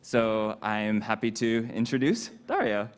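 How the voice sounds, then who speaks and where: A man hosting a conference session, introducing the next speaker in a friendly, slightly halting way. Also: on the low side, slight background noise. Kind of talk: event introduction. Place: conference hall.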